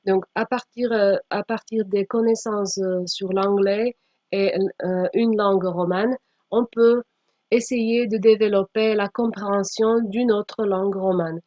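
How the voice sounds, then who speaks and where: A woman giving a slide presentation as a teacher trainer, speaking haltingly with frequent pauses and sometimes reading aloud. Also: medium pitch, steady tone, dark tone. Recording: dull, echoey room sound.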